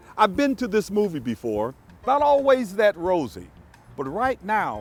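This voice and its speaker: Over music in the background, a man with an American accent speaks at a moderate pace, his high pitch making very wide swings. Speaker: real estate developer. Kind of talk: infomercial pitch to camera.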